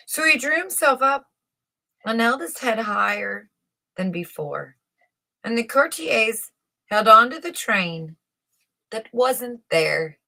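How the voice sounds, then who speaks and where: A woman narrating a fairy tale as storyteller, expressive, theatrical and deliberate. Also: a little high, vocal fry.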